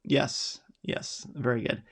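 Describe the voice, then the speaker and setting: A middle-aged man hosting a live podcast from a home studio. He reads out viewers' picks and reacts to each with enthusiasm. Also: takes it slowly. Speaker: podcast host. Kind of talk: live podcast chat reading viewer lists.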